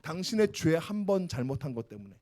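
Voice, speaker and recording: A man preaching an evening sermon to teenagers at a youth camp, emphatic and scolding, shouting one moment and dropping to a hush the next. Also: on the high side, sing-song, a little fast. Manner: emphatic, swings between shouting and hushed scolding; talks down to listeners in casual speech.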